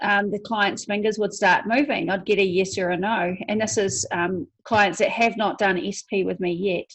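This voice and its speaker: A woman with a New Zealand accent speaks at a fairly slow pace in a medium pitch. Her pitch varies in an ordinary way against a quiet background. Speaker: hypnotherapist. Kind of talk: casual interview chat. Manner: hesitant with frequent fillers.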